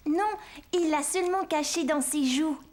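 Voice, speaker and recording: Casting: performer as caring young boy for animation, high-pitched, simple helpful explaining. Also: normal speed, lightly acted. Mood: friendly. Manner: childlike, plain helpful explaining. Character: friendly, caring young boy, proud pet owner. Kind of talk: French children's cartoon dialogue. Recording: children's music underneath.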